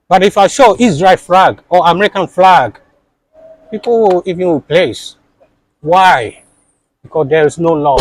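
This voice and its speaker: A man's voice: sits high, no room sound, low-quality recording. A man being interviewed, speaking in an impassioned, insistent way and repeating his points for emphasis.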